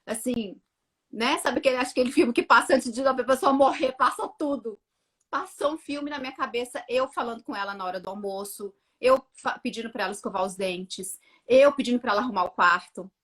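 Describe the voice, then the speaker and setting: Animated storytelling mother, high voice. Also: fairly quick, husky. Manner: animated storytelling, acts out her own quotes. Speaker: guest, mother of two. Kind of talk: casual live chat.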